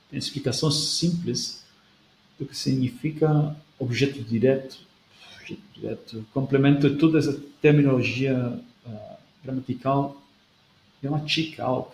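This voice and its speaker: Gravelly-voiced man in an echoey room. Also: medium pitch, steady tone, moderate pace, a little mellow. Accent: non-native speaker of Portuguese, European Portuguese leaning. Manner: thinks aloud with restarts, switches into Portuguese. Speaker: language-learning video host. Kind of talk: casual talk, reading out and answering a viewer comment. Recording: echoey room with faint background noise.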